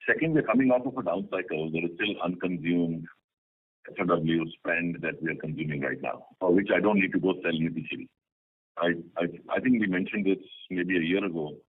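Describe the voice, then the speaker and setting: A man speaks as a company executive on an earnings call, explaining in business jargon. His voice is very deep and husky, and he talks quickly. The sound is that of a narrowband phone conference line. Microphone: telephone.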